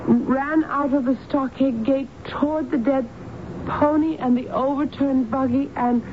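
An actress in a 1970s radio drama playing a troubled, weary married woman in therapy, speaking in a halting, deliberate way. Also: sits high, steady tone. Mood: drowsy, trance-like. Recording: dull, noisy 1970s radio broadcast.

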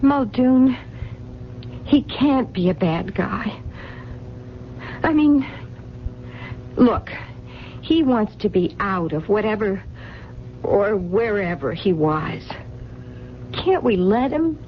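Animated, stubborn lovestruck woman. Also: slow pace, pauses often. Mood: pleading, in love. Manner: blunt, pleading, colloquial. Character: lovestruck, stubborn, streetwise woman protecting her man. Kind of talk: radio drama acting. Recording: dull lo-fi radio recording, faint rumbling noise.

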